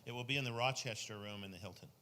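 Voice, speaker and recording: A man's voice: mid-range voice, rapid-fire, very noisy. A man, a state senator, speaking from the floor at a conference session, earnestly promoting a program at length. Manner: earnest, promotional, long-winded. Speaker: state senator asking a question.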